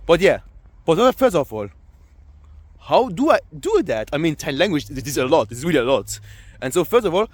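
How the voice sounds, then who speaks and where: A young man from Luxembourg with a Luxembourgish accent, chatting casually to camera, often repeating himself and filling pauses with "I mean" and "yeah". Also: on the high side, very animated. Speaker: language vlogger. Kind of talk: casual vlog talk to camera.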